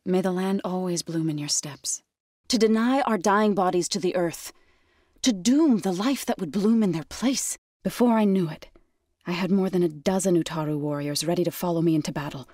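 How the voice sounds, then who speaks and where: A woman playing a gentle, resolute tribal warrior in a video game, speaking in a measured, solemn, softly sincere way. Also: on the low side, no echo, clean studio sound, lightly acted. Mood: solemn, reflective. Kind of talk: scripted game character dialogue. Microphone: close studio microphone.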